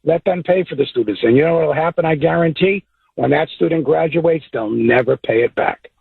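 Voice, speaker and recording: A man calling in to a talk radio show, raspy-voiced and opinionated, halting with fillers over a distorted phone line. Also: a little high, dry recording. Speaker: caller.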